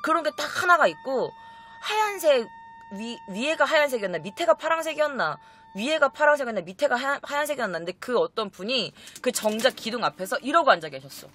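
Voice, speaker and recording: With faint music playing and a little background noise, a young woman talks fast in a high-pitched voice. She's sharing a personal story with her viewers in a casual, animated way, switching voices to play the relatives she quotes.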